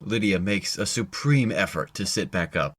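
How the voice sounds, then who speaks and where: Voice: deep voice, normal speed, a bit bright, slightly rough. A narrator reading scripted story narration for an audio drama.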